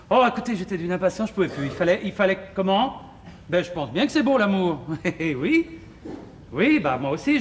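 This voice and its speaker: An actor playing a flustered, excitable man fussing over a date, stammering and muttering to himself on a theatre stage in a televised boulevard comedy. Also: sits high. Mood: eager. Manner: stammering, fussy, talks to himself. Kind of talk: 1980s French boulevard stage comedy acting. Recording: hissy old television broadcast recording.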